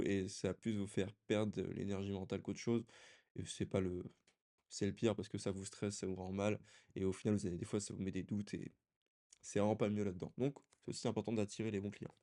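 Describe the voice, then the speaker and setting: Man with a dark, low voice. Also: flat delivery, fairly quick. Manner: loose and conversational, with frequent restarts. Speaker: freelance coach. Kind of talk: casual talking-head lesson.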